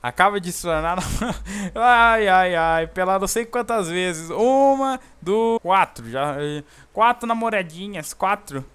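A man's voice: high voice, measured pace, a bit bright, clear, resonant tone. A young Brazilian man with a Brazilian Portuguese accent, giving casual, jokey gameplay commentary and talking to the game characters. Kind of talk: casual let's play commentary.

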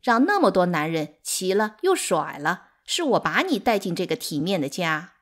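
A woman voicing a spiteful, domineering concubine in an audiobook, scornful and forceful in her delivery. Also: mid-range voice, very animated, normal speed, slightly rough. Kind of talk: dramatic audiobook character acting.

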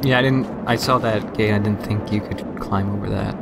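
A man's voice: fairly low pitch, steady tone, a little fast, vocal fry, loud music behind the voice. A man co-commentating on a video game with casual reactions. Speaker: let's play co-commentator.

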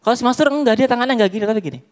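A young man performs stand-up comedy in a high-pitched voice. He tells his stories into a handheld microphone on a large stage. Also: very fast. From Bogor, Indonesia. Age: young adult. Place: large theatre stage before an audience.

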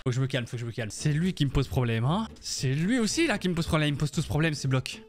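Excitable young man, high and lively. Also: fast. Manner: excitable, swings from yelps to mutters; talks to viewers, slangy. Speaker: gaming youtuber. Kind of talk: Minecraft parkour let's-play commentary.

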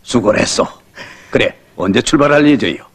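An actor playing a fatherly North Korean party secretary in his sixties, a calm old veteran with a husky voice. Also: medium pitch, a little fast. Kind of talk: film drama acting.

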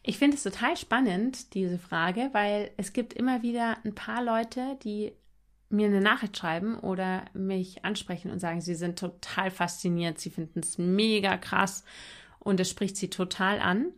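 A woman's voice: mid-range voice, measured pace. A woman talking casually and enthusiastically as a musician guest in a podcast interview, in informal language.

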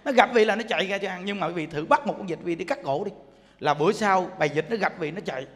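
A man's voice: high-pitched, quick pace. A man giving a humorous Buddhist sermon, telling stories and imitating animal sounds. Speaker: Buddhist monk teacher. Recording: long hall reverb.

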